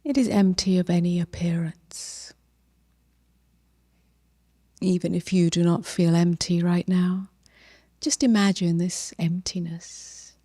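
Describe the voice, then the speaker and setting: A woman leading a guided meditation as a teacher, gentle and unhurried, with long pauses and soft, breathy phrase endings. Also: lowish voice, fairly even intonation.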